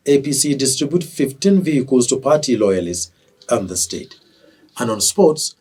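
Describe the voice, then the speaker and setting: A man with a Nigerian accent reads scripted television news as an anchor in a formal, measured way. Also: mid-range voice, a little mellow, slightly rough, recorded from a distance.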